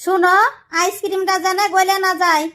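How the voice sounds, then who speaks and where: A woman's voice: very high voice, flat delivery, normal speed, bright, forceful tone. A woman voicing a short-tempered, exasperated cartoon wife with a Rajshahi Bengali accent, speaking in curt complaints. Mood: fed up. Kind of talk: comic cartoon dialogue.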